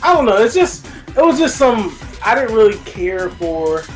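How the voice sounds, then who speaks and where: A man co-hosting a casual movie review, speaking informally and in a halting way as he restarts his sentences. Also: high-pitched, big pitch swings, faint music behind.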